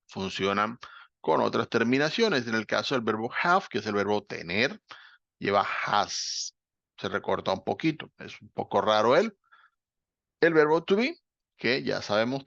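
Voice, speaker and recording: Patient male English teacher, gravelly tone, dry dull recording. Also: mid-range voice, fairly bright tone, dry recording. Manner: patient, explanatory, checks in with students. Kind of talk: explaining grammar in a class session.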